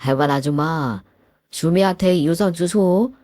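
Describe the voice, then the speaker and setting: A woman's voice: fairly low pitch, measured pace, no room sound, studio quality, natural voice. A woman voicing a crude, bullying young male thug who threatens and sneers in an audio story. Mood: menacing. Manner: sneering, threatening, shouts in bursts. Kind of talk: Korean audio story acting.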